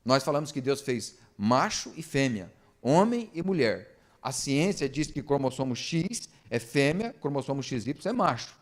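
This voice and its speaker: A man's voice: medium pitch, very animated, moderate pace. A man, preaching a sermon in church and asking the congregation rhetorical questions. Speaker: pastor. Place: church service.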